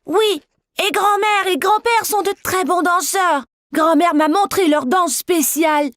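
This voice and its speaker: A woman's voice: very high voice, measured pace, a bit bright, dry recording, clean studio sound. A woman playing an eager, curious four-year-old boy with a childlike voice in a cartoon. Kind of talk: cartoon dialogue.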